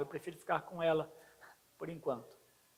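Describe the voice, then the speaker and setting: Here a man talks at a very fast pace. His pitch is high. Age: 80s+. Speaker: pastor. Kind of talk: sermon.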